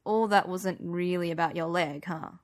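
A woman voicing a gentle teenage boyfriend, soft and reassuring. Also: lowish voice, normal speed, natural voice. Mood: gentle teasing.

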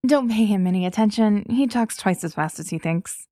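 A woman voicing an excited, bubbly young woman who fusses over her brother's partner. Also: mid-range voice, normal speed, no room sound, clean studio sound, lightly acted. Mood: reassuring. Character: bubbly young woman, fussy older sister. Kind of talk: audiobook reading of fan fiction.

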